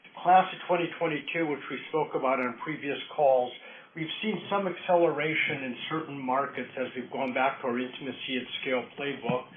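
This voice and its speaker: A man speaking as a company executive, answering questions on an earnings call in a measured, formal way. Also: medium pitch, fairly even intonation. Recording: roomy, noisy, narrow conference-call line.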